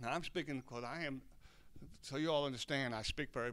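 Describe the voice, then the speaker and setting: A man's medium-pitched voice at a very fast pace. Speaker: preacher working with the deaf. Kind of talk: conference talk. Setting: church conference session. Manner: sometimes speaks too loudly; halting, many restarts.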